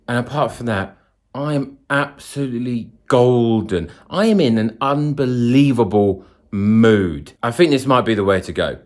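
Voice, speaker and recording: A young British man talking casually in a vlog, with a dry, tongue-in-cheek, sweary way of speaking. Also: mid-range voice. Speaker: vlogger. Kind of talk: casual first-person vlog to camera.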